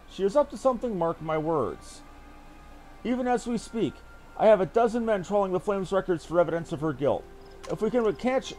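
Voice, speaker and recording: A stern fantasy video game captain, voiced by a man reading aloud, speaking in a grave, formal manner with archaic turns of phrase. The delivery swings widely in pitch, over background music. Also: a little mellow, low-quality recording. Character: earnest military captain briefing an ally on a spy hunt.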